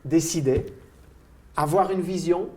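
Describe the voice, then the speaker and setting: Male coach-host, slightly high voice, enthusiastic, sums up points and thanks his guest. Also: a little slow, warm tone. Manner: enthusiastic, lots of praise and interjections. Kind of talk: interview host.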